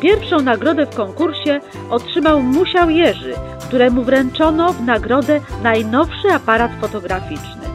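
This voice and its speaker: A woman narrating a library chronicle in a brisk, upbeat old-newsreel announcer manner. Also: high voice. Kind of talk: mock 1960s newsreel narration. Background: plucked guitar music.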